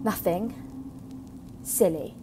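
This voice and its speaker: A woman's voice: on the low side, drawn-out words, noisy background. A woman acting in an audio drama as a brittle, controlling, moth-obsessed scientist, speaking in a fussy, repetitive, coaxing way. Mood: eerily controlled.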